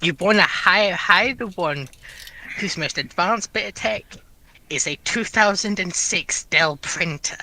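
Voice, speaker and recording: A man's voice: sits high, a little slow, sharp tone. A man chatting casually as a livestream panellist, trading joking banter with the others.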